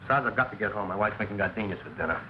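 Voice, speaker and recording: Brief: man as fast-talking deadpan customer, muffled film with loud hiss. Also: fairly low pitch, lightly acted. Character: odd flower-eating regular customer. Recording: dull old film soundtrack with hiss.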